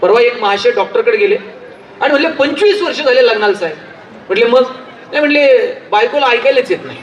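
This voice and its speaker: Man, Marathi accent, very high voice, emphatic storyteller, roomy hall, distant mic. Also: expressive, fairly quick, highs cut off, slight background noise. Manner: storytelling, emphatic, draws audience laughs. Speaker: motivational speaker. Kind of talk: public speech with humorous anecdotes. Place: hall with live audience.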